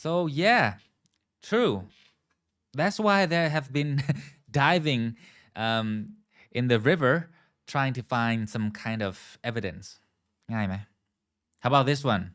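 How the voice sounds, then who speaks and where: A man's voice: medium pitch, animated, extremely slow, pauses often, fairly bright tone, smooth, no echo, clean studio sound. A man teaching a live online English lesson, switching between English and Thai, drilling pronunciation and greeting viewers by name.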